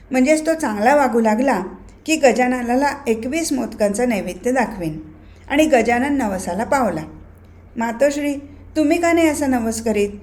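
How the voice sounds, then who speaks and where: A woman voicing a calm, wise young boy ascetic who speaks gently and steadily in a novel reading. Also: fairly high pitch, close to an everyday voice. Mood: gentle.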